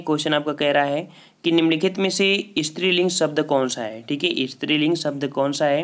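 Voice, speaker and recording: He's an exam-prep teacher reading out answers to a Hindi grammar paper, his voice fairly high and fairly bright. After each one he says it again and asks "ठीक है".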